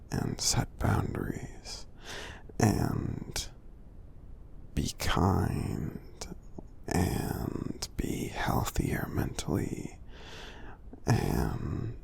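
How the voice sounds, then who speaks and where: Gentle, reassuring giant for ASMR roleplay, played by a man; low, heavily gravelly, breathy half-whisper. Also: full character voice. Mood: tender, encouraging. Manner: slow, soothing, halting, reassuring. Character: friendly gentle male giant, tender and encouraging. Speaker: ASMR performer.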